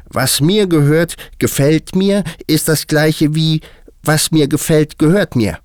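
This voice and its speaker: A man voicing a cheeky, mischievous hare in a high, drawn-out, teasing voice. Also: a little mellow, no room sound, clean studio sound. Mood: mocking. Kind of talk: audiobook character voice.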